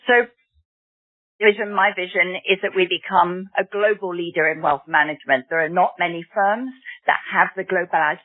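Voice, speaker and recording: A woman's voice: on the low side, steady tone, normal speed. Upbeat woman executive on a tinny phone line. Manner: upbeat and assured, with frequent ums. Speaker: bank chief executive answering analysts. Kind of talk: earnings call answers.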